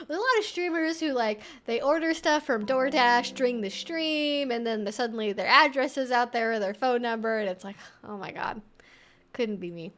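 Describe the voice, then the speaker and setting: Young woman, higher-pitched voice, livestream host, casual, chatty, rambling. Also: pushed and bright. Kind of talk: casual livestream chat, reading and answering viewer comments.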